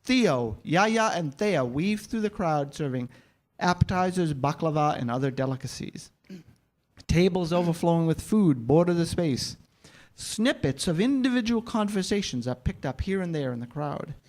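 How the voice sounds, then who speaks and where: A man's voice: on the high side, lively intonation, normal speed, a little mellow. Male narrator, scripted stage directions, staged reading, screenplay narration.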